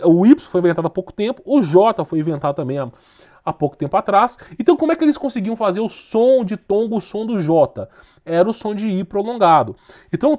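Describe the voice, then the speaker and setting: A man's voice: a little high, a little mellow. A man giving an informal video lecture in an emphatic, insistent way, often checking in with short questions. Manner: rises in force when making a point. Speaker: teacher of esoteric history.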